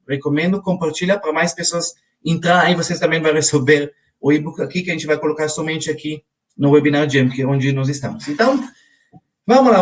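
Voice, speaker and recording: A man in his forties with an Israeli accent teaches a live online money class, speaking slightly higher than most men. He keeps turning to his viewers with quick "ok?" check-ins. His voice sits a little back from the microphone. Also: distant mic. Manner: talks straight to his audience, often checking in with "ok?". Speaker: financial educator. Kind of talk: live webinar lesson.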